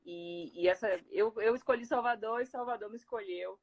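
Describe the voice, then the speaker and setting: A woman from Recife, a guest speaker talking casually in a live interview, animated and quick to laugh, with many fillers and restarts. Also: fairly high pitch. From Recife, Brazil.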